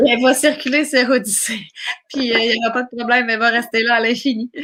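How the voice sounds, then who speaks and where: A woman speaking at a very fast pace in a high, flat monotone, with noticeable background noise. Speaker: singer-songwriter and YouTuber. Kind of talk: casual interview chat.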